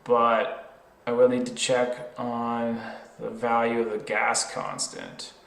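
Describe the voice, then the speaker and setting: A male tutor talks through a worked problem at a slow pace, in an informal way. He is hesitant and thinks aloud, correcting himself as he goes. The sound is roomy, with clear echo around his voice. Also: medium pitch, lively intonation, fairly bright tone.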